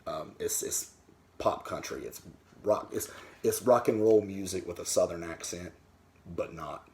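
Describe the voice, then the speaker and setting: This low-voiced man speaks at a measured pace with a darkish tone. He's a vinyl vlogger chatting to camera from his home den, going on candidly about his records and cursing without restraint.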